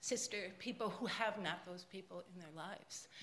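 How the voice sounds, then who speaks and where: Fairly even intonation from a woman at a medium pitch and moderate pace, with audible room echo. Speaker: audience member. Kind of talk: audience question.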